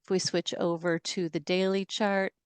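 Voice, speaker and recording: A woman walking through stock chart analysis in a measured, steady way with some fillers, speaking on a video call. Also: on the low side, clean tone, no echo. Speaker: market analyst.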